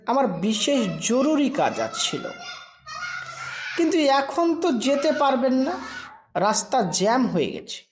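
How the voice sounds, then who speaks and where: A woman voicing a modest, easily startled middle-aged gentleman in a story, polite and hesitant, given to exclaiming. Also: sits high, big pitch swings, takes it slowly, long pauses, music in the background, pitched above the performer's own voice, heavily acted. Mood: bashful.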